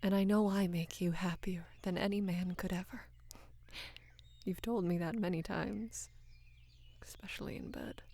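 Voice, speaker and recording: A young woman playing a devoted, lovestruck female knight in an intimate roleplay audio, speaking in a hushed, breathy, halting and earnest way. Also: lowish voice, steady tone. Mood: tender, intimate. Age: young adult. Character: devoted female knight, tender, anxious, in love with queen. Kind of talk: intimate roleplay audio, soft acted monologue.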